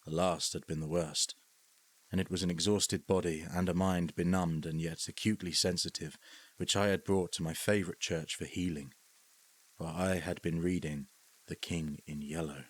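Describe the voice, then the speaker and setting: A man reading a horror story aloud as scripted narration, measured and sometimes sinking to a hush. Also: low voice, steady tone, no echo. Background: faint music.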